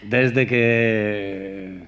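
A man from Italy with an Italian accent, speaking off the cuff as an executive guest on a panel, insistent and repetitive, with halting non-native phrasing. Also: on the low side, fairly even intonation, fairly bright tone, lo-fi sound. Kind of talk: unscripted panel talk. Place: live stage with audience.

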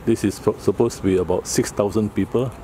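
A man narrating a casual travel vlog in short, halting remarks while filming outdoors at a small train station. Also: on the low side, steady tone. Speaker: travel vlogger. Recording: loud outdoor noise, camera mic.

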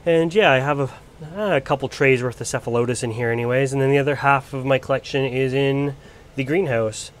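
A man's voice: medium pitch, steady tone, fairly quick. A man getting over a cold, chatting loosely with lots of ums as he films his plant collection. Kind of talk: casual filmed walk-through. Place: indoor grow area under bright lights.

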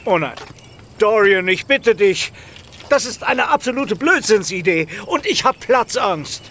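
High-pitched, protesting man. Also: sing-song, measured pace, sharp tone, a little hiss or hum, full character voice. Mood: exasperated. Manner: complaining, dramatic. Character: protesting, exasperated male companion. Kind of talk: horror audio drama acting.

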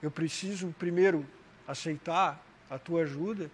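A man in his forties with a southern Brazilian accent from Santa Catarina tells his personal story as a guest on a TV interview, speaking at a measured pace in a fairly high voice. A motivational speaker, he keeps it conversational, often dropping "né" and "cara". He's recorded on a lapel mic in an indoor TV studio, with slight background noise.

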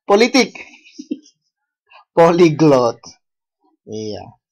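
An unhurried lecturer from Bali teaches a class over a video call, pausing often to put questions to the students. Their pitch sits in the middle, and they talk slowly and deliberately, restarting words mid-sentence. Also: very animated. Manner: unhurried, asks the class questions, self-correcting. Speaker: university lecturer. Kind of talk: online language lecture.

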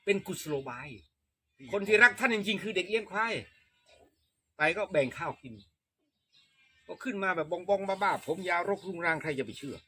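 A man telling a life story in casual chat, emphatic and animated. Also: sits high, normal speed, pauses often.

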